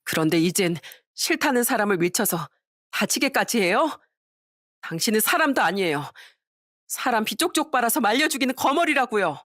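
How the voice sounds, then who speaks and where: A woman's voice: on the high side, sing-song, normal speed, a bit bright, no echo, clean studio sound. A woman voicing a harassed young wife who speaks in an emphatic, accusing way. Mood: indignant.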